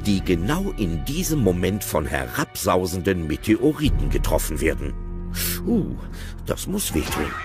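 Ein Mann erzählt in einem Hörspiel nach Drehbuch, lebendig und ausdrucksvoll. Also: male voice, deep voice, wildly swooping pitch, unhurried, over music. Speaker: narrator. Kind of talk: scripted audio drama narration.

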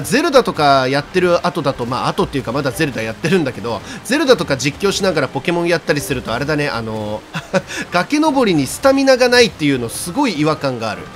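A man commentates his video game in a high, very animated voice, chatting with viewers and reading in-game dialogue aloud. He laughs often. Faint game music plays underneath. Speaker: let's play streamer.

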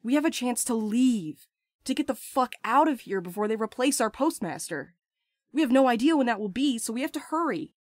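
A woman's voice: a little high, lively intonation, a little fast, no room sound. An actress playing a brash, impulsive young woman with crude, sarcastic banter in an audio drama. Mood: urgent. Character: brash, playful, impulsive young postal worker friend.

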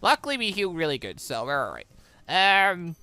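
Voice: medium pitch, sing-song, moderate pace, bright, forceful tone, no room sound. A gaming host giving rambling commentary while playing, thinking aloud from move to move. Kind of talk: excitable let's play commentary and dialogue read-aloud. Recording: dry close voice over game music. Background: game music.

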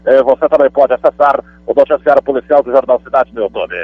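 A man's voice: medium pitch, fairly even intonation, quick pace, breathy edge, no echo. A male reporter with a Brazilian Portuguese accent reads a radio police bulletin in a chatty way, throwing in emphatic asides as he goes. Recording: dry, phone-like radio line.

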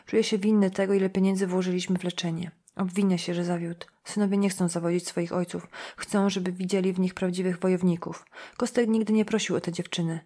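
A woman reading a weary older farm wife and guilt-ridden mother, speaking in a hushed, pleading, sad way. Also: on the low side, little pitch movement, fairly quick, hardly any pauses, breathy edge.

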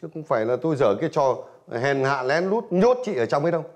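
A man's voice: a little high, lively intonation, quick pace, natural voice. An actor playing a hot-tempered, proud old man in a nursing home, scolding and defensive. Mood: heated. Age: older. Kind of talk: TV drama acting.

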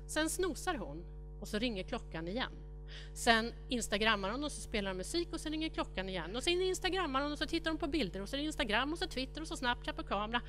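Brief: middle-aged woman keynote speaker, fairly high voice, brisk list-reading delivery, big hall, faint music behind. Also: fairly bright tone. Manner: rattles off lists of apps, speculating aloud. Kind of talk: conference keynote talk. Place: large lecture hall with audience.

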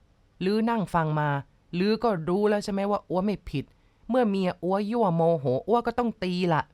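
A woman voicing a brutal, violent middle-aged man who snarls threats in a slow, heavy way. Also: medium pitch, a little mellow, dry recording, close to an everyday voice. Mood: defensive.

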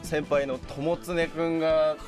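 A man's voice: a little high, flat delivery, slow, music in the background. A young man chatting as a guest on a radio show into a studio mic, playful and jokey. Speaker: guest actor. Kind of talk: casual chat. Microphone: studio mic on boom arm.

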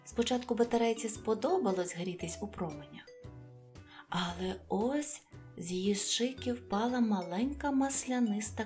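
A woman's voice: mid-range voice, darkish tone. A woman storyteller reading a scripted children's fairy tale expressively, with music behind her.

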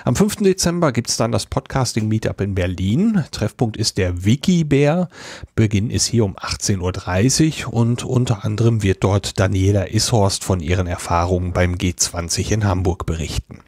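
A man's voice: on the low side, lively intonation, normal speed, darkish tone, no room sound, studio quality. A man co-hosting a podcast, reading out announcements in an informal, orderly way. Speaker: podcast co-host presenting event calendar.

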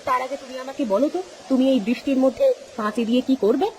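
Fretful village wife done by a man, shrill, quick, cartoon. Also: fairly even intonation, a little hiss or hum. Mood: anxious. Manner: high, pleading, urgent. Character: anxious village wife, woman, caring. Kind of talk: cartoon voice acting.

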